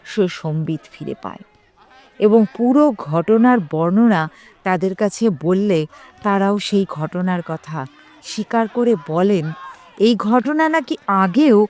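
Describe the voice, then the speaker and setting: A woman reads a story as dramatic, suspenseful narration, in measured phrases broken by pauses. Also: mid-range voice, lively intonation, a little mellow. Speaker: storyteller reading a ghost story. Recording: music behind the voice. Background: background music.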